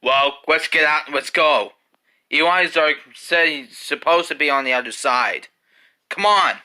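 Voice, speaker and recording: An actor playing a defiant, determined young hedgehog hero with an earnest, declamatory delivery in fan cartoon cutscenes. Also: male voice, a little high, unhurried, sharp tone.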